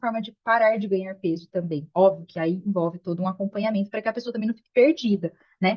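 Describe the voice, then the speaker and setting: Somewhat breathy, a woman talks very fast at a medium pitch with ordinary pitch variation. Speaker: nutritionist. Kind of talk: online class talk.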